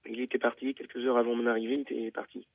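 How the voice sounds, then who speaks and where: Un auditeur timide au téléphone. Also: male voice, medium pitch, little pitch movement, racing, creaky, no echo. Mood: hesitant. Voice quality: hesitant, stammering. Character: shy, halting adopted man calling in. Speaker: caller. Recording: tinny phone line.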